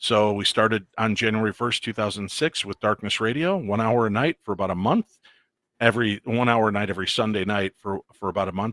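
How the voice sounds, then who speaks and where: Heard in a Midwestern US accent, the speech runs at a fairly quick pace with fairly even intonation, recorded very cleanly with a silent background and a dry, close sound with no echo. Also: man, fairly low pitch for a man. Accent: US Midwest. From Illinois. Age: 50s. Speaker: paranormal radio host. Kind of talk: interview. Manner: rambling, chatty.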